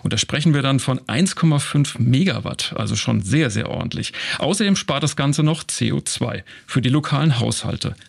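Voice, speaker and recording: Male corporate news co-host, husky gravelly voice, animated delivery. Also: medium pitch, moderate pace, few pauses. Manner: upbeat, conversational explaining. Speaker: co-host of a company news show. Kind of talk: casual scripted news chat.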